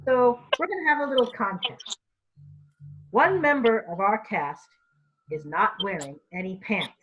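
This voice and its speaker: A woman's voice: a little high, expressive, measured pace, music in the background. A woman hosting a comedy show in a casual, playful way. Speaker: show host. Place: remote virtual show. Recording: slightly noisy, dull lo-fi mic, clicks.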